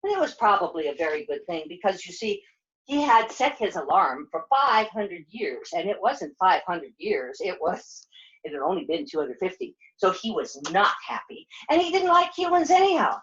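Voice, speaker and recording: A woman puppeteer narrating a children's story in a lively storytelling style. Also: fairly low pitch, moderate pace. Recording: dull, lo-fi sound.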